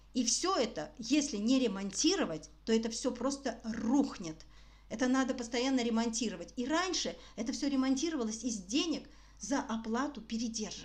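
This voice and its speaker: Lively intonation from a high-pitched woman at a moderate pace, with audible room echo. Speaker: animal rescue volunteer. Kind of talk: livestream Q&A. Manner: emotional.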